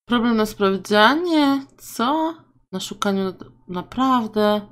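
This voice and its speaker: A young woman casually commenting on her life-simulation game, chatting to her sims and her viewers and going high and loud when surprised. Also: expressive, takes it slowly. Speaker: gaming YouTuber. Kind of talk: casual let's-play commentary.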